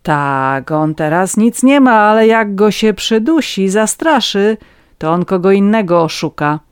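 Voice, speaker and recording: A reader voicing a fawning, red-nosed petty scribe, a man who begs for vodka and wheedles his listeners in a high, eager voice. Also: expressive, unhurried, clear, resonant tone, dry recording, studio quality, close to an everyday voice. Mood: wheedling. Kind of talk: audiobook reading.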